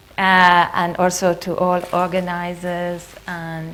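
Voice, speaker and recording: Audible room echo surrounds a woman speaking with a fairly low pitch. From Finland. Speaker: visual artist. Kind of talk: presentation. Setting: auditorium with audience. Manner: halting, many fillers.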